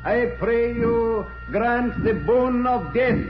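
An actor playing a solemn, sinister high priest, chanting grandiosely in 1940s radio drama style, in an old echoey recording. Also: male voice, muffled recording, over loud music. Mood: ominous incantation. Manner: slow, chanting, grandiose incantation.

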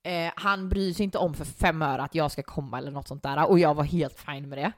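A woman's voice: sits low, no room sound. Young woman, casual storytelling, acts out quotes, dry close sound. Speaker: guest.

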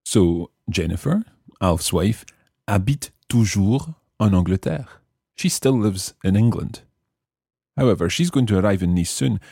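A man's voice: on the low side, lively intonation, takes it slowly, gravelly, mellow, husky, dry recording, clean studio sound. A man hosting a language lesson, explaining and repeating phrases for learners in scripted teaching narration.

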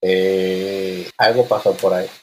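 A man, telling a story in casual podcast chat and acting out quotes in a high voice. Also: slow, background noise. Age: 20s. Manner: animated, acts out quotes in a high voice.

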